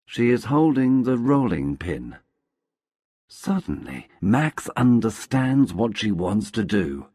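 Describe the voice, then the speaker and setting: A man narrating a storybook for English learners in a slow, clear, expressive way. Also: fairly low pitch, dry recording, clean studio sound.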